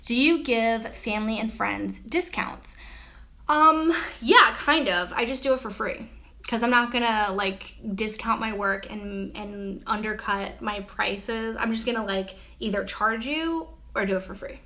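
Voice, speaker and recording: A woman's voice: on the high side, a little slow, pushed and bright. A young woman, a wedding photographer, talking casually through a live Q&A, full of "um" and "like" fillers, her voice a bit worn. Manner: chatty, many "um" and "like" fillers. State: losing her voice. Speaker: wedding photographer answering viewer questions.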